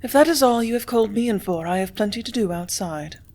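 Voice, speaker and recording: Calm tart young office girl, quiet but firm, woman reading it. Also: mid-range voice, fast talker.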